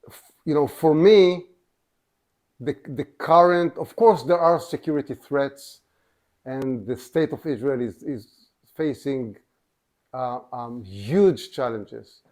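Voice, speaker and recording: A man representing a civil society organization, speaking on a panel in a measured way with frequent restarts. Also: medium pitch, darkish tone. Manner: measured, restarts sentences, many fillers. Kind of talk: panel discussion.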